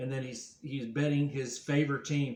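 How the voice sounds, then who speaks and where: A man's fairly high, somewhat breathy voice, dark and mellow, with fairly even intonation at a fairly slow pace. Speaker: gambling commentary youtuber. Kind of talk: casual commentary monologue. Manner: monotone.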